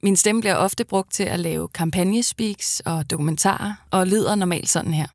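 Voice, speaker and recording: A young adult woman from Denmark, a voice actor presenting her demo reel with a clear, polished delivery. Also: fairly low pitch, a little mellow, no room sound, clean studio sound.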